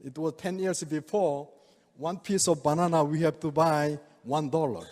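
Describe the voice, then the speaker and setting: An older Korean-accented man gives a talk in broken, halting English, often breaking into chuckles. His voice sits a bit high for a man. The long reverb of a large hall trails every phrase. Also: steady tone, a little mellow. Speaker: speaker, oriental medical doctor. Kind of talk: presentation to a live audience.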